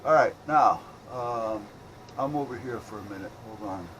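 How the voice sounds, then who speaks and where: A man's voice: lowish voice, normal speed, noisy background. A middle-aged or older man rambling casually and thinking aloud as he films an unscripted repair video. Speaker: electronics repair hobbyist showing his work.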